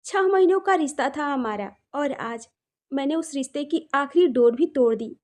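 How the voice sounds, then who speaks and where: A woman's voice: lively intonation, normal speed, darkish tone. Woman voicing a heartbroken, tearful young woman. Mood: crying. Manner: pleading, questioning, rising pitch when upset.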